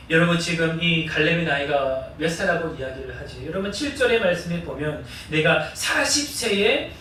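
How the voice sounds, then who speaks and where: High, animated preaching man in echoey hall. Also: a little hiss or hum. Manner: earnest preaching with repeated call-and-response prompts. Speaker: pastor. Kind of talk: sermon. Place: church sanctuary. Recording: echoey church hall, distant mic.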